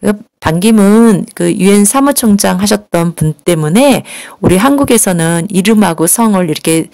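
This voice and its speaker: A woman giving a recorded English lesson, patient and polite as she explains. She slows right down to model each phrase for learners to repeat. The sound is dry and close, with no room echo. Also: mid-range voice, animated, creaky, a little mellow. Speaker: English teacher.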